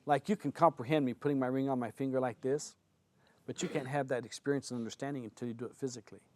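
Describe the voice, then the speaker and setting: A man's voice: medium pitch, fairly even intonation, quick pace, no room sound. An older man teaching a spiritual seminar in a conversational way, telling stories and acting out quoted lines. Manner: conversational, anecdotal, with acted-out quotes. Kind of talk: seminar talk.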